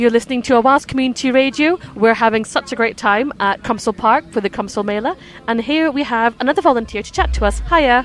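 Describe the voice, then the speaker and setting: A woman with a Scottish accent talks at a very fast pace and a high pitch, with ordinary pitch variation, hardly any pauses and noticeable background noise. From Scotland. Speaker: community radio presenter. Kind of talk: casual interview. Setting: outdoors at a festival.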